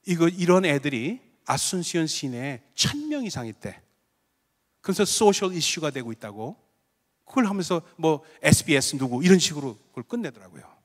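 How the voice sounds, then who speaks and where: Preaching man with big swings in volume. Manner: storytelling, swings from loud bursts to low asides. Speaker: pastor. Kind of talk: sermon. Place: large church sanctuary. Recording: long hall reverb.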